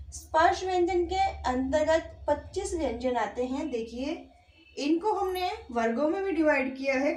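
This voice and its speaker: A woman's voice: high-pitched, reverberant. A woman teacher giving an online grammar lesson, patiently asking the class questions and then answering them herself, and drawing out each letter as she spells it. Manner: slow and drawn out when spelling out letters.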